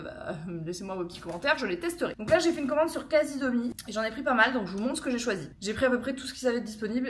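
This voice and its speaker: Young woman, casual vlog chat, fairly high voice, bubbly, filler words, faint background hiss. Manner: chatty, lots of filler words; bubbly, reads out product names. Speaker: lifestyle vlogger.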